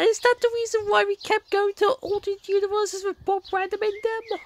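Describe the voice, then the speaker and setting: Putting on a character voice, a man speaks at a fairly quick pace at an extremely high pitch. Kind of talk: audio play.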